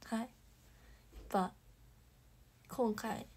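A young woman chatting on a livestream, reading viewer comments and thanking fans, bubbly and chatty with soft whispery asides. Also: a little high, fairly even intonation, takes it slowly. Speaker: idol livestreamer.

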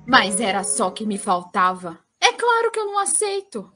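A woman's voice: medium pitch, wildly swooping pitch, moderate pace, pushed and bright, faint music behind. A Brazilian woman playing a headstrong, theatrical young princess in a comedic audio drama. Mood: outraged, defiant. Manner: theatrical, defiant. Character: indignant, headstrong young princess refusing an arranged marriage.

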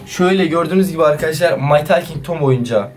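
A man vlogging over a phone game, excitable and slangy, often turning to talk straight to his viewers. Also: on the high side, fast talker, a crowd in the background. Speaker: YouTuber. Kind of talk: casual gaming vlog commentary.

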